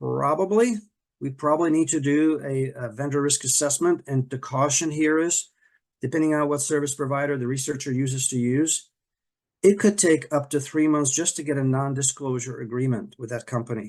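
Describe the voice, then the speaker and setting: The man's delivery moves at a moderate pace, and his pitch varies in an ordinary way. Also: quiet background. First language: not English. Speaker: IT security presenter. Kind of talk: presentation.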